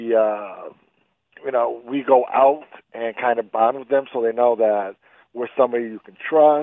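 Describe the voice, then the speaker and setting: At a moderate pace, a man with a plain, everyday voice talks at medium pitch with fairly even intonation and big swings in loudness. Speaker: biker charity organizer. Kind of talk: interview. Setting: phone call.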